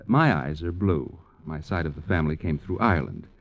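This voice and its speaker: Low-voiced, hesitant gypsy broom-maker. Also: male voice, lively intonation, brisk, full character voice. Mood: proud, dreamy. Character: proud, dreamy, uneasy young male gypsy broom-maker. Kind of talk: 1950s radio drama acting. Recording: muffled vintage radio recording.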